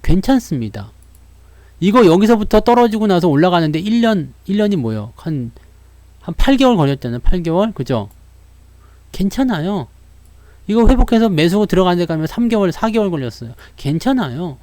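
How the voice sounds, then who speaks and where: Animated male stock market broadcaster. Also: high voice, a little fast, dry recording. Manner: lively, acts out investors' worries and answers them; addresses viewers directly with frequent fillers. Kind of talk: live stock market lesson.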